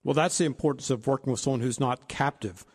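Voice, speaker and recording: This co-host of a financial advice program has a mid-range voice with a breathy edge and talks fast, and a long reverb tail trails his words. As a financial advisor, he steadily explains retirement planning, listing each point in turn.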